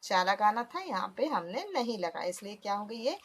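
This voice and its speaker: A woman's voice: medium pitch, big pitch swings, normal speed, slight background noise. A woman teacher explaining a textbook lesson patiently, often asking the listener questions as she goes.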